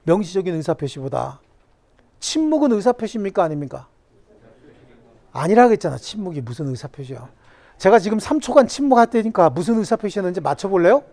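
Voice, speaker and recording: A man's voice: high-pitched, sing-song, brisk, darkish tone. A man lecturing on civil law to a classroom, joking and firing questions at the students.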